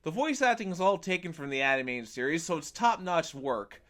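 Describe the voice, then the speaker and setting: Guy doing a game review voiceover, kinda high voice, swings up and down a lot, sarcastic. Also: animated, a little fast, a bit bright. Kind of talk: scripted video review narration.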